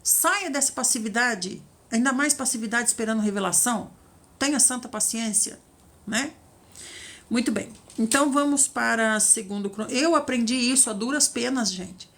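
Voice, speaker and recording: Female preacher, lively and a bit high, acts out quoted voices. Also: moderate pace. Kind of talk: devotional teaching.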